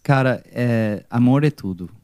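A young man from California with an American accent, a musician answering interview questions in a second language, pausing and searching for words and slipping into English. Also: medium pitch, darkish tone, dry recording. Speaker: musician guest. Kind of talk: casual interview.

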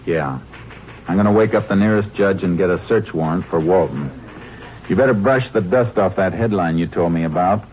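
An American actor playing a tough, terse Texas Ranger in a 1950s western radio drama. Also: male voice, deep voice, normal speed, a little mellow, highs cut off, close to an everyday voice. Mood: businesslike. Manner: terse, dry, commanding. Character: tough, cool Texas Ranger lawman hero. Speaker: lead actor and narrator. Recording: noisy, band-limited old radio recording.

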